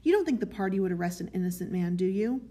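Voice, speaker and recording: A woman's voice: mid-range voice, animated, quick pace, dark tone, close to an everyday voice. A woman voicing an eager, servile man in a novel, miserable yet proud, with a pleading, chummy, self-justifying manner. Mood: servile protest.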